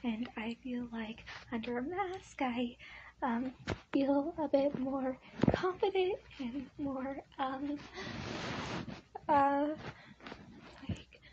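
A woman's voice: high voice, very slow, long pauses, dull audio, background noise, voice pushed up. A woman voicing a shy, insecure teenage schoolgirl in an improvised ASMR roleplay, hesitant and apologetic. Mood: hesitant, self-conscious.

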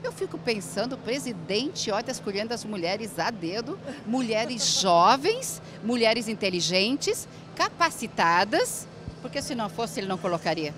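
A woman's voice: fairly high pitch, sing-song, moderate pace, background noise. Chatty middle-aged woman host. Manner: chatty, warm compliments, laughs. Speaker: TV variety show host, interviewer. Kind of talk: casual interview chat. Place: large indoor event hall. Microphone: handheld mic.

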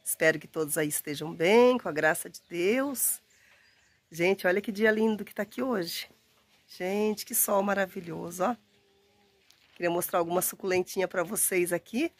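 A woman in her forties, slightly hoarse from a cold, chats warmly to her phone camera outdoors in a windy garden. A gardening vlogger with a medium-pitched voice, she's warm and chatty, often saying "gente" and using diminutives. The phone is held at arm's length, and faint wind noise is audible.

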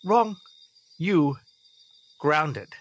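A man's voice: a little high, animated, very slow, exaggerated voice. An actor playing a protective, exasperated middle-aged father in an audio drama, stammering and repeating himself. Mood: earnest, stern. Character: flustered, protective, exasperated father of a teenage girl. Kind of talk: naturalistic audio drama acting.

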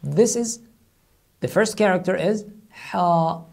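Slowly repeating each sound several times, a man demonstrates pronunciation in a recorded online language lesson, patient and explanatory. His voice sits high and is gravelly yet a little mellow.

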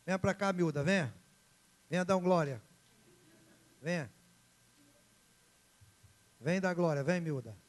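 A male pastor, preaching a sermon in an animated, dramatic way and acting out the story's characters. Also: a little high, slow pace, long pauses.

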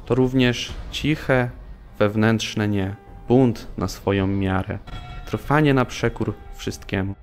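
Male, low voice, grave prisoner recounting camp life, audio drama, music underneath. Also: takes it slowly. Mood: grave, somber. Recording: studio voice over background music.

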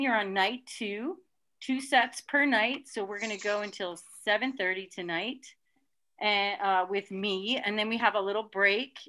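A woman's voice: mid-range voice, pushed and bright. A middle-aged woman hosting a virtual reading over a video call from home, chatty and enthusiastic. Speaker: event MC. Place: room at home. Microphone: video call webcam.

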